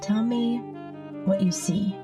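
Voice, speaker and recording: Slow-talking, wistful female AI companion over guitar voiced by an actress. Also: medium pitch, fairly even intonation, lightly acted. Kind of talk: audio drama acting.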